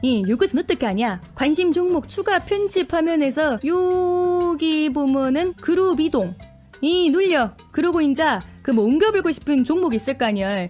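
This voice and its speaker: A woman with a Jeolla accent at a high pitch, very wide pitch swings, a fairly slow pace and very even loudness, with music in the background. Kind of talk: comic tutorial explanation. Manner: casual, boisterous.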